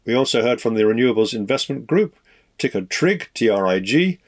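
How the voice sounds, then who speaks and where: A man hosting a podcast, reading scripted financial market news in a measured, formal and fluent way. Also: mid-range voice, sing-song. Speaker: podcast host.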